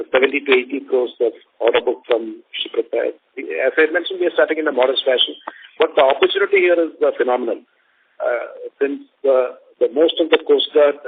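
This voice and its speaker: Man, Indian accent, company executive, halting measured answers, formal, narrow phone line, faint noise. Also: medium pitch. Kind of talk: earnings call answers.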